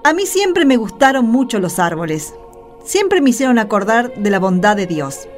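A woman's voice: fairly high pitch, sing-song, normal speed. Actress as a reflective woman storyteller over music. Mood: fond, reminiscing. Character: reminiscing storyteller who loves trees, follower of Jesus. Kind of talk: radio drama narration. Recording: clear music under the voice.

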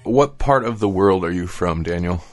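A man's voice: low voice, animated, normal speed. A man hosting a radio interview in a casual, informal, laid-back way. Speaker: radio show host.

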